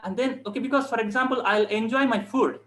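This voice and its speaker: A man giving an informal instructional talk as a yoga instructor, speaking earnestly in short, halting phrases to online viewers. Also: very high-pitched, fairly bright tone.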